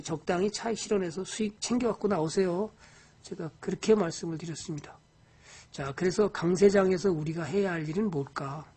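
A woman lecturing on stock investing in a lively way, firing off rhetorical questions to her audience. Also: fairly low pitch, slightly rough.

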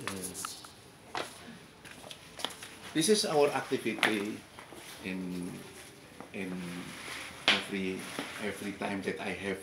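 Older man, slow, halting second-language English. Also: fairly low pitch, background noise. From Indonesia. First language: Indonesian. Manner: hesitant, many fillers and repeated words. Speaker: lecturer giving a lab tour. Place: garden workshop, indoors and outdoors. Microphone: handheld camera close by. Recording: echoey with clear background ambience.

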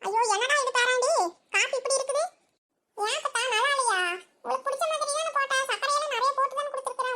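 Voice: very high-pitched, bright, forceful tone, slight background noise, exaggerated voice. A voice actor doing a fussing old cartoon grandma. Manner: fussing and scolding. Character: doting old village grandmother. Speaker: cartoon character.

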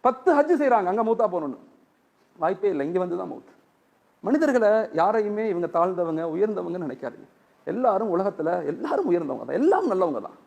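A male Islamic preacher delivers a sermon in a high-pitched, creaky voice at a quick pace. He tells stories with animation, acting out the characters' dialogue.

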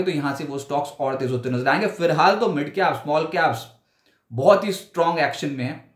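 A man in his forties anchoring a stock market roundup, talking briskly and with emphasis. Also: fairly high pitch, echoey room. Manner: brisk, emphatic delivery with hand gestures. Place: indoor studio before a branded backdrop.

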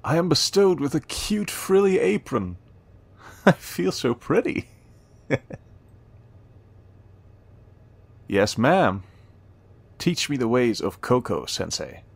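Man playing a playful young guy, slow and animated. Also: medium pitch, gravelly, husky, dry recording, exaggerated voice. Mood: playful, cheerful. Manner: teasing, warm, conversational. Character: friendly, playful, eager young male cafe helper. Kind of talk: romance audio roleplay addressed to the listener.

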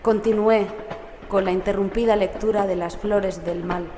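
With a medium-pitched, fairly even voice close to how she'd normally talk, a woman narrates a horror story in the first person, audiobook-style and dramatic. She sounds uneasy and measured at a normal pace, while echoey metro train sounds play clearly behind her.

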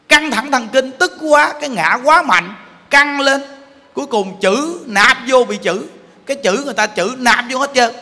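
Male monk, high bright voice, lively joking sermon, long reverb of a temple hall. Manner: animated, colloquial, joking with listeners. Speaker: Buddhist monk teacher. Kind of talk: dharma talk sermon.

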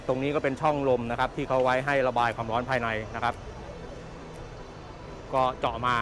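A man's voice: medium pitch, steady tone, brisk, over music. Chatty man touring a car at an expo. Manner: chatty, repeats points, ends phrases with polite particles. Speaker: car show presenter. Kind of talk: casual walkaround car tour. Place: busy indoor motor expo hall. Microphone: handheld camera mic, presenter off camera.

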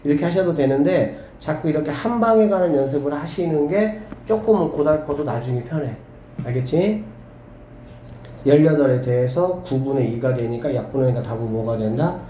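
A man teaching a math class to students, lively and often checking whether they follow. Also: a little high, moderate pace. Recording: echoey room with faint background hum.

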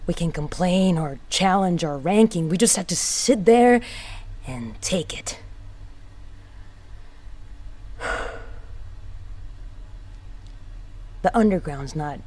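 A woman playing a weary, wry tinkerer in a sci-fi audio drama monologue, speaking in a halting, brooding manner. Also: lowish voice, animated, warm tone. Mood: quiet, resigned. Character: weary, wry young woman tinkerer in a doomed underground city.

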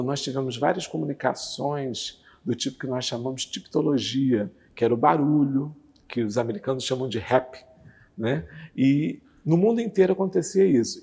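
A man in his fifties, a guest on a TV interview, calmly explaining a religious doctrine with lively hand gestures, on a lapel mic in a curtained studio. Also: a little high, vocal fry, breathy edge, big-room sound. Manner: animated, gestures with both hands while talking. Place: TV studio with red curtain backdrop.

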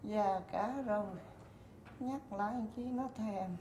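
An actress playing a frail, nagging old wife in a stage comedy sketch, with a plaintive, complaining manner. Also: female voice, mid-range voice, steady tone, a little slow, natural voice. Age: older. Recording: roomy stage recording with noise.

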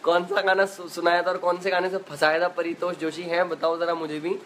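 A man's voice: high-pitched, flat delivery, a little fast, fairly bright tone, slight background noise, poor audio. A young man hosting a casual live chat from home, reading viewer comments into his phone and chatting back with easy laughs. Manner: chatty, laughs easily, uses filler 'matlab' and 'yaar'. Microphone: phone in selfie view.

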